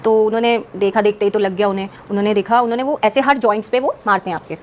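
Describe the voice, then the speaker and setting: A woman speaking quickly as a podcast guest, recounting a personal story in an earnest, rambling manner and mixing English words into her sentences. A faint hum of room ambience sits behind her voice. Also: mid-range voice, steady tone. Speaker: guest, singer.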